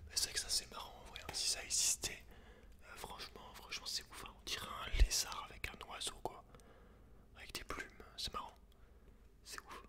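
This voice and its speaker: A man speaks in a breathy, voiceless whisper, hosting ASMR. He moves between reading aloud and informal, slangy remarks addressed straight to the listener. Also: brisk, pushed and bright. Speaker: ASMR video host.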